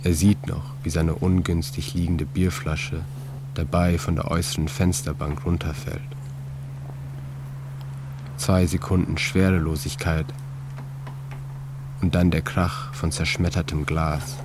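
A man reading his own literary prose in a calm, measured, reflective way. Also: low voice, noisy background. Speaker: author and narrator. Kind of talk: scripted literary narration.

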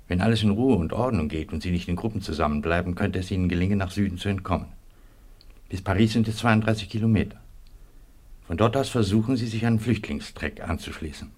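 An actor playing a stern but decent colonel in a radio drama, measured, authoritative and urgent. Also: male voice, low voice. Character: stern, decent military camp commandant, a colonel. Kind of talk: German radio drama acting.

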